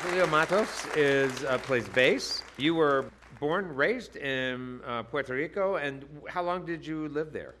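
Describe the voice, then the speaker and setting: A man interviewing a musician, asking friendly, relaxed questions. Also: a little high, a little slow, hardly any pauses, a crowd in the background, background noise. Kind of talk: casual interview.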